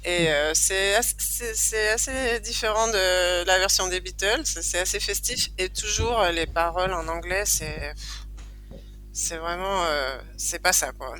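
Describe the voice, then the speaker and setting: A man's voice: high-pitched, a little slow, pushed and bright. A man guest on a podcast, chatting casually and laughing as he explains. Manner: cheerful, laughs often while explaining. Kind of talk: casual chat.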